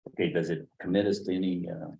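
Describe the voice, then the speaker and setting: A man's voice: low-pitched, little pitch movement, fast talker, vocal fry, darkish tone. A man on a county board asking questions and fumbling his words while making a motion. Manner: questioning, hesitant phrasing. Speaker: county commissioner. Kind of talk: public board meeting. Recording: tinny phone-like audio.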